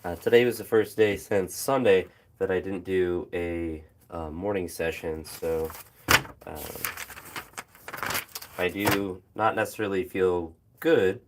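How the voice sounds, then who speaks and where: A young man, a phys ed teacher, chatting casually about his training with a hoarse, phlegmy throat and many fillers and pauses. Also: low voice, very noisy. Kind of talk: casual vlog chat while training.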